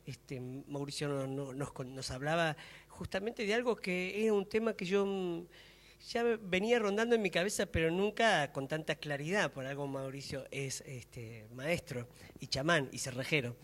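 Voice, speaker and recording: A man with an Argentine accent speaks in a fairly high voice, recorded with the long reverb of a hall. He talks reflectively about his craft, pausing and searching for words as he thinks aloud. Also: fairly bright tone. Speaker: actor and theatre maker. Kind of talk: reflective public conversation about theatre. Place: public talk in a hall.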